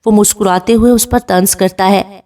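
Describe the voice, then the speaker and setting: A woman narrating a serialized romance novel in an even storytelling manner. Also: mid-range voice.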